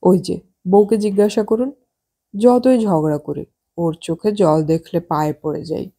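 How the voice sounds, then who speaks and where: A woman voicing an excitable middle-aged husband with an unsteady mind, talking in an insistent, rambling way. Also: lowish voice, unhurried, creaky, slightly rough, full character voice. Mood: emphatic.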